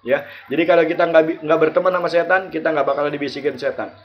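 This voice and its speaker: A man's voice: a little high, racing. A male religious teacher, leading an online class and explaining verses line by line. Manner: explains verses line by line, asks and answers himself. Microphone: video call. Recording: muffled video call audio.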